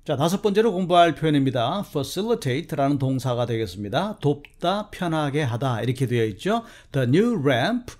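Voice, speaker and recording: A male English teacher walks through vocabulary in Korean with a lively, up-and-down delivery on a fairly high voice. He slows right down to read English example sentences aloud. Then he explains them in a steady classroom manner. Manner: explains slowly, reads English example sentences carefully, often starts with "자".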